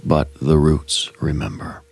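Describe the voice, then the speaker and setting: A man narrating a guided meditation in an ASMR style, solemn and hushed, in short, deliberate phrases with a gravelly, breathy voice. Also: rumbling low. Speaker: host and narrator of a meditative radio show.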